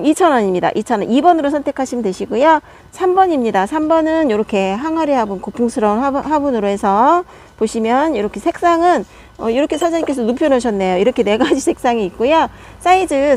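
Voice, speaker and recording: A woman's voice: on the high side, slight background noise. Chatty woman showing off plant pots. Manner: chatty, friendly sales talk, often laughing softly. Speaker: online seller showing succulent pots. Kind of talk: live product demonstration.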